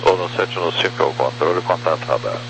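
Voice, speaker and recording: Low-voiced Brazilian man on noisy radio. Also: fast talker. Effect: radio communicator. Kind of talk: clipped aviation radio talk. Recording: noisy, humming radio transmission.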